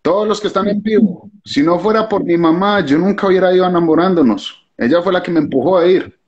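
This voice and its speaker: A man's voice: high voice, quick pace, a little mellow. A young man with a Colombian accent, guest on a casual video chat, easygoing and self-mocking. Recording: dull muffled phone audio.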